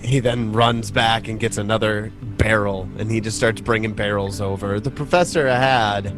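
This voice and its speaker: A man acting as game master, improvising narration in a casual, halting, descriptive way. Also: on the low side, steady tone, over music.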